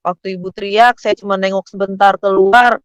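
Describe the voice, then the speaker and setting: A man's voice: high-pitched, steady tone, moderate pace, a bit bright, smooth, no room sound, lo-fi sound. A male pastor voicing a female hospital nurse who speaks bluntly, within a testimony sermon.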